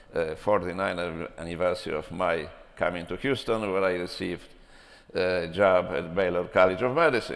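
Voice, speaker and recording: Speech moves at a moderate pace. Audible room echo surrounds it. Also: man, very deep, low pitch for a man, ordinary pitch variation. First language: Polish. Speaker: doctor and cancer researcher. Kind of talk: conference talk. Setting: stage with audience.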